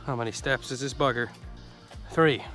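A man narrating his own jungle hike for a travel vlog, chatty and full of dry jokes as he talks to himself. His voice sits at an ordinary middle pitch. It is picked up outdoors on a handheld camera with faint music under it. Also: fairly even intonation, moderate pace, a bit bright. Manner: joking, chatty, talks to himself while hiking. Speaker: travel vlogger. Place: outdoors in rainforest on a hiking trail.

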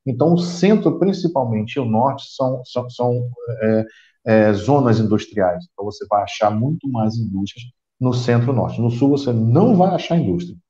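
A man's voice: mid-range voice, lively intonation, moderate pace, warm tone. A middle-aged Brazilian man on a video call, explaining at length with frequent restarts. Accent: Brazilian Portuguese. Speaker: guest. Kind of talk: casual chat on a video call. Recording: roomy, dull video call audio.

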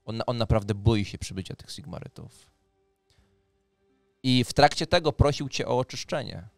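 A man's voice: mid-range voice, expressive, moderate pace, gravelly, no room sound. A man working as game master, narrating a tabletop roleplaying game in a dramatic storytelling manner. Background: music.

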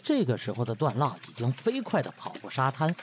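A man's voice: medium pitch, wildly swooping pitch, fairly quick, faint music behind. A man narrating a comic web novel in a colloquial, theatrical storytelling style. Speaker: audiobook narrator.

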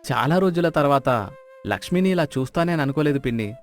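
An actor playing a mild, long-suffering village farmer and husband. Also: male voice, on the high side, expressive, fairly quick. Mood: wry, doubtful. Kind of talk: moral storybook character voice. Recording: music behind the voice.

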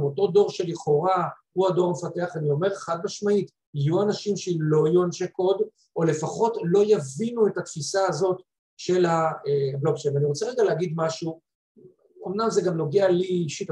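A man's voice: high-pitched, mellow, echoey room. A man speaking emphatically, explaining his points in an online panel discussion over a video call.

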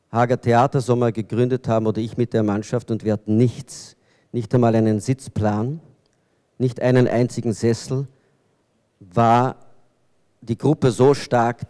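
A man in his fifties from Belgium speaking in a measured way as a panelist, into a handheld microphone in a hall. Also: medium pitch, mellow, clean tone. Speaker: panelist, theatre artist. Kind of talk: measured panel discussion remarks. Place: stage in a hall before an audience. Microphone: handheld microphone close to mouth. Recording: long hall reverb from stage PA.

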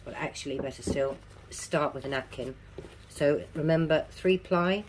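A middle-aged woman with a low-pitched voice gives a casual step-by-step craft tutorial at a home craft table indoors, repeating key steps as she instructs. She's toothless, so her articulation is slightly slurred. She speaks at a moderate pace, and the poor audio has slight background noise.

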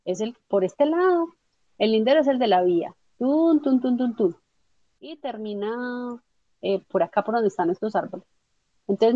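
A woman teaching a software tutorial step by step, patiently checking that her student follows along. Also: medium pitch, no room sound. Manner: patient, explanatory, checks understanding with tag questions. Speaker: instructor. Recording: dull lo-fi dry audio.

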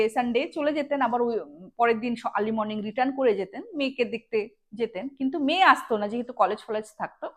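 A woman of tells a ghost story casually, explaining in asides and speaking straight to her listeners. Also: on the high side. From Assam, India. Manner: conversational, explains asides and addresses listeners directly.

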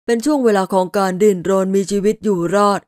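A woman's voice: medium pitch, steady tone, dark tone, no echo, clean studio sound, close to an everyday voice. A woman doing a gloomy, detached bald man. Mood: glum. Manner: slow, mournful, mock-philosophical.

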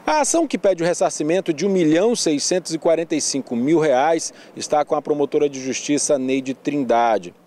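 A male reporter in his forties with a northern Brazilian accent, reading a news report in a steady, explanatory way. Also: fairly high pitch, fairly quick, few pauses, a little hiss or hum. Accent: Brazilian Portuguese, northern.

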